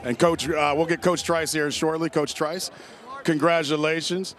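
A man's voice: on the high side, fairly even intonation, moderate pace, a bit bright. A middle-aged American man interviewing as a sideline sports reporter after a game, on a handheld mic in an arena. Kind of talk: postgame TV interview. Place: on the court of a large indoor arena. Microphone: handheld reporter microphone.

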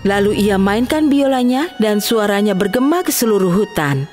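A woman telling a children's bedtime tale in a clear, lively storytelling voice. Her pitch rises and falls a lot as she narrates. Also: moderate pace, soft background music.

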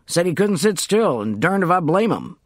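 A man voicing a hearty, excitable American gentleman with an American accent. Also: high-pitched, moderate pace, dry recording, clean studio sound, voice pushed up. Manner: hearty exclamations.

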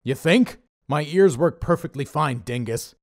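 A man voicing a gruff, preachy middle-aged male camp leader who scolds and blusters, with a raised, gravelly voice. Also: a little high, expressive, unhurried, no echo, studio quality, pitched above the performer's own voice. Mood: exasperated.

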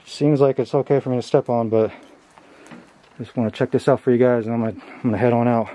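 A man in his thirties narrating a casual exploration vlog as he walks, informal and halting, thinking aloud. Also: medium pitch, fairly even intonation, dark tone, dull audio. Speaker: host exploring abandoned places. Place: outdoors and inside derelict buildings, walking. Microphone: handheld camera at arm's length. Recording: outdoor camera audio with background noise.

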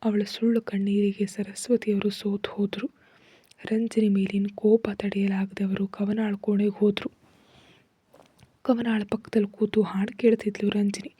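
A woman narrating a dramatic family story in a soft, steady whisper. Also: mid-range voice, normal speed, breathy edge, dry recording.

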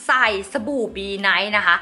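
A woman's voice: mid-range voice, moderate pace, bright, forceful tone. A woman hosting a chatty craft tutorial, bubbly and polite, talking straight to her viewers. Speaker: slime-making channel host.

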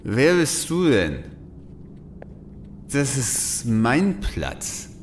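A man's voice: mid-range voice, sing-song, extremely slow, a little hiss or hum. A man playing a lonely, homeless alcoholic in an audio drama, muttering in an unguarded way. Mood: worried.

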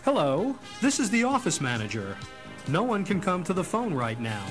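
A man's voice: high-pitched, wildly swooping pitch, moderate pace, over music. A man playing a cheery, officious office manager in a scripted comic answering machine message.

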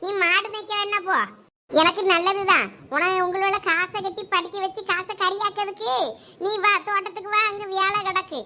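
Comedy sketch: woman playing a bossy village mother, high, rapid and bright. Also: fairly even intonation. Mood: scolding. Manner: scolding, rapid nagging. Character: scolding middle-aged village mother, overworked and sharp.

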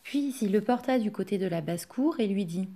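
A woman from a library reading a fairy tale aloud, expressive and speaking to young listeners. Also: mid-range voice, brisk, creaky. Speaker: library storyteller.

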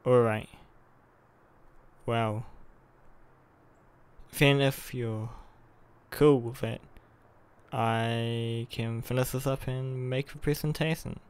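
A man's voice: mid-range voice, steady tone, slow pace, pauses often, clean tone, lightly acted. A young man playing an awkward, earnest college student who is secretly a superhero, in a roleplay audio with hesitant delivery. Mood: apologetic.

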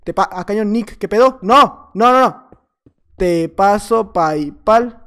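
A man's voice: sits high, moderate pace, bright, forceful tone. A man with a Mexican accent giving live gameplay commentary as a gaming YouTuber, joking and rambling as he chats playfully with the other players.

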